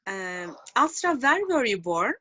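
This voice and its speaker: A woman's voice: a little high, sing-song, unhurried, bright, forceful tone. A woman from Turkey, an English student, reading a practice dialogue carefully over a video call. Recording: dull dry video call audio.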